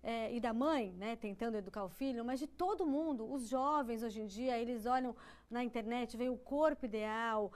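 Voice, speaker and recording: A woman with a Brazilian Portuguese accent hosts a talk show with a high, clear voice. She responds warmly to her guest's points and leads the talk onward with follow-up remarks. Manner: engaged, affirming, asks follow-ups. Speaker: host.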